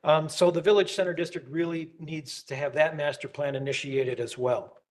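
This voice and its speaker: A man who is losing his voice gives a staff presentation at a public planning meeting, halting and full of ums and uhs. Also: on the high side, fairly even intonation. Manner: halting, filler-heavy, with many ums and uhs.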